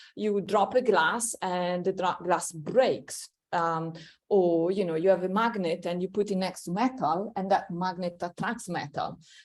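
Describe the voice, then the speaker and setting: A woman's medium-pitched voice in an Italian accent, at a fairly slow pace with fairly even intonation. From Italy. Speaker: philosophy professor. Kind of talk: lecture. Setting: lecture hall with audience and online. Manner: hesitant with many fillers.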